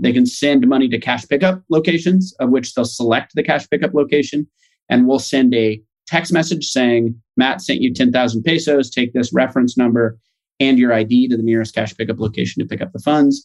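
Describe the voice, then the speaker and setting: This man talks at a fairly quick pace at a medium pitch with ordinary pitch variation, in an ordinary speaking voice. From US, Boise, Idaho. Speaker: tech company founder and CEO. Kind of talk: interview.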